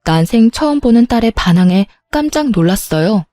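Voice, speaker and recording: A woman telling a family drama story as the narrator and wife, in calm, confiding scripted narration, with faint music behind. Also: fairly high pitch, moderate pace, no echo, studio quality.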